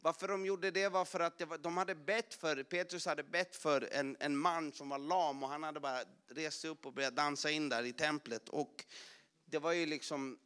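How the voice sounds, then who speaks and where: A man's voice: on the high side, fairly even intonation, a bit bright, clean tone. A man preaching a passionate testimony, talking with many restarts and fillers. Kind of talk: emphatic sermon testimony.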